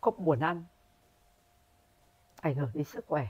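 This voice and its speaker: Recorded dry and close with no echo, a woman speaks at a moderate pace in a very deep, low pitch, her tone dark and mellow and somewhat breathy. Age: 60s. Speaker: cancer patient sharing testimony. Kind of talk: testimony.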